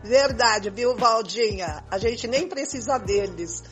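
Woman playing sassy, high-pitched older Brazilian lady. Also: slow pace, faint music behind. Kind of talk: amateur improvised radio soap acting.

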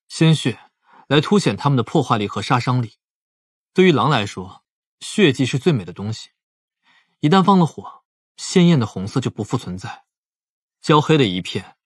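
A man playing a calm, analytical detective in his twenties in an audiobook drama, speaking in a measured, explanatory way. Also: mid-range voice, breathy edge, dry recording, studio quality. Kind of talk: Mandarin audiobook drama acting.

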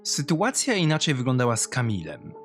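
A man's voice: mid-range voice, huge pitch swings, brisk, soft background music. A man voicing a sadistic, mocking woman killer who confides her grim childhood in a horror audio story. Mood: bitter, reflective.

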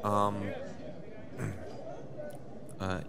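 Casting: male actor as deferential rebel officer, deep and subdued, audio drama. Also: monotone, very slow, creaky, crowd noise, full character voice. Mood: grieving. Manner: deferential, hesitant. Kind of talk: naturalistic sci-fi audio drama acting.

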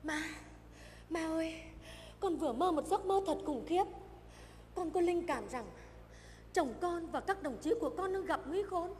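A woman's voice: very high-pitched, a little slow, long pauses, a little mellow, a little hiss or hum. An actress playing a young new mother and revolutionary in a stage drama, pleading and emotional. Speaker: stage actor. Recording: stage recording with long reverb and music.

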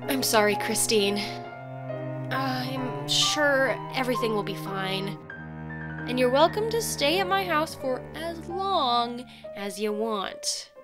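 Young woman friend played by an actress, high pitch, casual, friendly, audio drama, music behind. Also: animated, slow. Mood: sympathetic. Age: young adult. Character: supportive, chatty young woman college friend.

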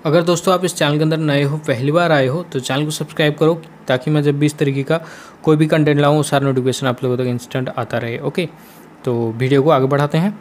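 A man's voice: on the high side, fairly even intonation, fast. A man with an Indian accent explaining steps in a casual gaming screen tutorial, repeating his instructions as he goes. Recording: faint background noise.

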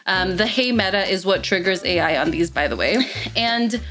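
A woman's voice: expressive, normal speed, a bit bright. Chatty young woman answering viewer questions. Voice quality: fairly high-pitched voice. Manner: chatty, lots of "like" and "um" fillers. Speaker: tech reviewer. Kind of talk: casual Q&A talk to camera. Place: small room with gaming chair and LED lights, indoors.

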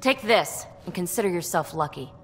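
A woman's voice: on the low side, animated, normal speed, a bit bright, slight background noise. A woman playing an impulsive, guarded, wry young alien adventurer in a video game, with breezy, sardonic delivery. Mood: brisk. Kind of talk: video game dialogue acting.

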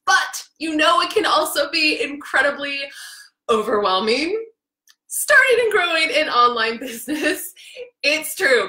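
Hyper, loud woman podcast host. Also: high-pitched, reverberant, low-quality recording. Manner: hyper, excitable, naturally loud, laughs often. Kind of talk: energetic live video podcast. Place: small home office. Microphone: studio mic with headphones.

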